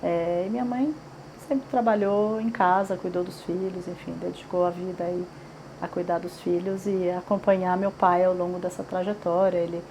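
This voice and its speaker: A woman's voice: fairly low pitch, steady tone, moderate pace. Paulistano woman in her 40s, talky, lots of fillers, faint room hum behind. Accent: Paulistano Brazilian Portuguese. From São Paulo, Brazil. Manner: chatty, frequent fillers and tag questions. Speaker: interviewee. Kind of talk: oral history interview.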